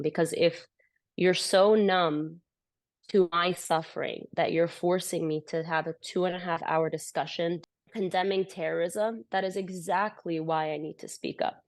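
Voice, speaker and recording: At a campus event, an American woman with a voice on the low side for a woman gives an impassioned personal testimony. She speaks earnestly and often restarts sentences while retelling a difficult conversation. The recording is dry and close, with little room echo.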